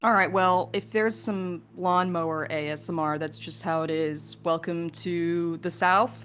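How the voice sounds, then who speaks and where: A woman with a slightly low voice hosts a relaxed panel Q&A. She talks in a casual, conversational way as the host of the group. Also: unhurried, a little hiss or hum. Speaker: podcast host, producer and voice actor.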